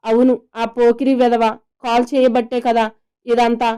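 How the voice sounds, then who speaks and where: A woman's voice: a little high, completely flat delivery, moderate pace, warm tone, clean tone, close to an everyday voice. A woman voicing a hurt but fiery young wife in a romantic audio story, speaking with spirit. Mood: heartfelt. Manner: spirited, indignant tone.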